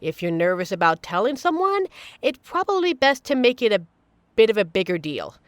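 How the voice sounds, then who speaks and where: Woman playing a supportive, animated young female friend. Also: mid-range voice, fairly quick, dry recording, close to an everyday voice. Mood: upbeat, encouraging. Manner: earnest, casual, reassuring with playful exaggeration. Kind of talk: audio roleplay, conversational monologue to listener.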